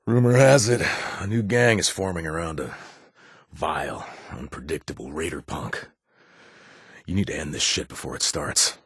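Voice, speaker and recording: An actor playing a wry, sarcastic companion in a video game who hands out kill jobs, stammering and joking. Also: male voice, very deep voice, normal speed, long pauses, slightly rough, dry recording. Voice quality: animated, sarcastic delivery with hesitant stammers. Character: wry young man, quest-giving companion, sarcastic and jumpy. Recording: dry studio sound.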